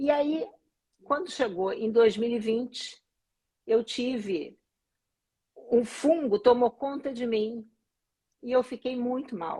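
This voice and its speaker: The voice is somewhat breathy, with ordinary pitch variation. The pace is fairly slow. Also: woman. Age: 60s. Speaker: retired teacher, client testimonial. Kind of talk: testimony. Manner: halting.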